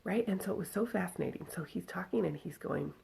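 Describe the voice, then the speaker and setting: A woman vlogger with a scratchy, husky, slightly mellow voice talks fast and fairly low as she tells a story and offers reflective advice to her followers. It's casual, recorded on a handheld phone held at arm's length.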